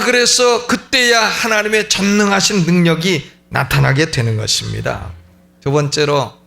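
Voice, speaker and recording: A middle-aged man preaching a sermon in a church, animated and acting out the prayers he quotes. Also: on the high side, vocal fry. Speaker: pastor. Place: church sanctuary.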